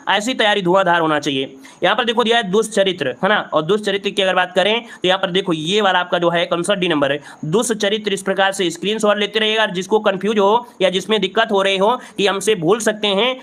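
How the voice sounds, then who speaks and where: A man teaching a live exam-prep lesson, going through answers briskly, repeating each one and calling his students friends. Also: high-pitched, pushed and bright.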